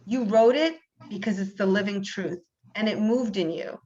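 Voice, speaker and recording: A woman's voice: medium pitch, moderate pace, mellow, close to an everyday voice. Woman acting a fervent woman of the people. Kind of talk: stage play reading over video call. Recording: dull video call audio.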